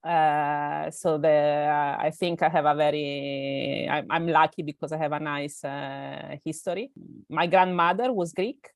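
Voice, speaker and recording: A woman's voice: deep voice, steady tone, unhurried, no echo, clean studio sound. A woman from Italy, a native Italian speaker with an Italian accent, chatting as an interview guest, hesitant with many fillers and restarts. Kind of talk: casual interview chat.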